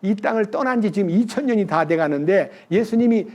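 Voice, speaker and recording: A man's voice: sits high, lively intonation, fairly quick, darkish tone. A male pastor delivering a sermon in a conversational way, putting questions to the congregation.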